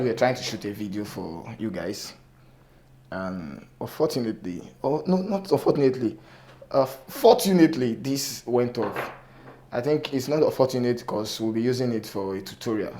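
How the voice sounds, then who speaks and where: A man instructor with a cracked, sore-throated voice, giving an informal hands-on repair tutorial in a halting, repetitive way. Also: medium pitch, a little mellow. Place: indoor workshop table. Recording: noticeable background noise, clicks.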